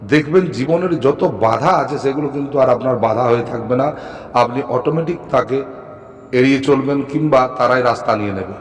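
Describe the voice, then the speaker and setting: A man's voice: medium pitch, normal speed, in a large hall. A man speaking as a spiritual teacher to his viewers, giving emphatic instructions for chanting mantras and repeating firm assurances.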